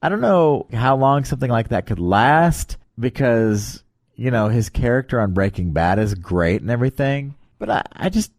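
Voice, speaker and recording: A man hosting a podcast in casual, joking banter, talking in a meandering, halting way on a close mic. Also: medium pitch, sing-song, dry recording. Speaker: podcast host.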